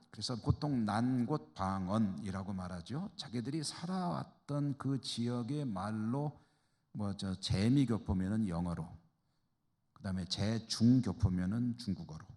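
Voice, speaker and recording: A man's voice: on the low side, darkish tone. Male pastor teaching bible study in a hall. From Chungcheong, Korea. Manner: conversational, rhetorical questions to the class. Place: church hall. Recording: reverberant church hall.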